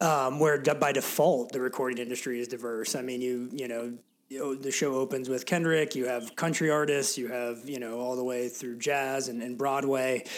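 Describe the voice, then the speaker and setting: A man with an unremarkable speaking voice and medium pitch speaks at a moderate pace. His intonation is fairly even, with hardly any pauses. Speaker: podcast host. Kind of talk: casual chat.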